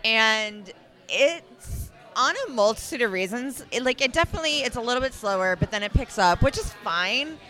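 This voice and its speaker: A woman talking casually on a podcast, animated and ranting with quick asides. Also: on the high side, faint music behind. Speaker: podcast guest. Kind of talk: casual chat. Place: brewery.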